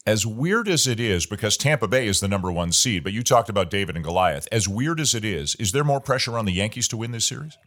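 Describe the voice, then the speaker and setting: A man in his fifties hosts a sports interview with a somewhat low voice. His questions are friendly and measured, and he leads the conversation steadily. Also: animated, a bit bright. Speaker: sports radio host. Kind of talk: interview hosting.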